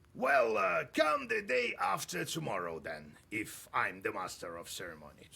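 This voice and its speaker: A man does a put-on character voice with big swings in loudness. He hardly pauses at all. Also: moderate pace. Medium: video game. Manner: chuckling, warm.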